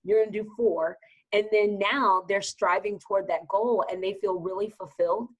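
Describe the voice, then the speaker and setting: A woman from Texas with a Southern accent speaks as a podcast guest. Her voice sits at a middling pitch, and she talks in an energetic, emphatic, motivational way. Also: normal speed, slightly rough, rough recording. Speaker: guest business advisor. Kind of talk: podcast interview.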